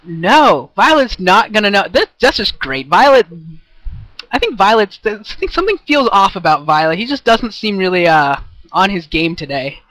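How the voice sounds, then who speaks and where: A young man co-commentating a game, sarcastic and excitable with quick jokes, on a headset mic. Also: high-pitched, no echo, low-quality recording. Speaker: esports co-commentator.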